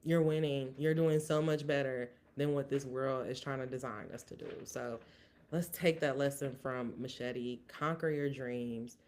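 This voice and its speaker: A woman's voice: rumbling low, fairly even intonation, unhurried, a little mellow, a little hiss or hum. A woman hosting a casual solo podcast recap, earnest and motivational, thinking aloud with many restarts. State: briefly emotional. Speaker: podcast host.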